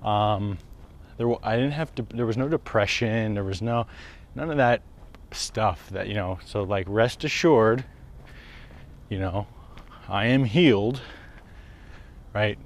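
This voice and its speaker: A man's voice: fairly low pitch, slow pace, long pauses. Chatty man walking outdoors. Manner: chatty, swearing, laughs at himself. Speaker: wellness vlogger. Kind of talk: casual walking vlog. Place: outdoors on a residential street. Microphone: handheld camera at arm's length.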